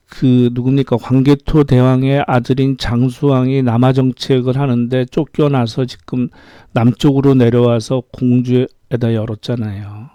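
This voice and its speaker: A man's voice: medium pitch, dark tone, no room sound. A middle-aged man giving an opinionated political monologue as a commentator. He talks indignantly and keeps firing rhetorical questions.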